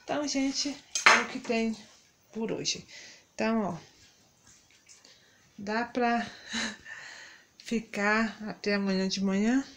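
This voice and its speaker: A woman's voice: fairly high pitch, steady tone, slow pace, pauses often, fairly bright tone. A middle-aged woman with a Brazilian accent, chatting casually to viewers in a home vlog while tidying her kitchen at night. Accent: Brazilian Portuguese. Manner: chatty, addresses viewers as "gente". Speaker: vlogger. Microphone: handheld phone camera. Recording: noisy with clattering dishes.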